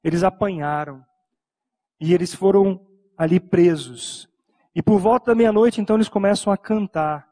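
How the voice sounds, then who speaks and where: A man's voice: high voice, warm tone. A middle-aged Brazilian man preaching a sermon from a church stage into a handheld microphone, stretching out words for emphasis. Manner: preaching with emphatic, drawn-out phrases. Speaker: pastor. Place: church stage, large indoor hall. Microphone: handheld mic.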